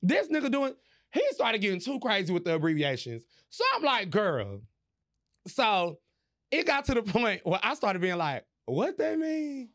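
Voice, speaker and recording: A man hosting a podcast, telling a story in casual chat, animated and profane, laughing as he goes. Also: high voice, normal speed. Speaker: podcast host.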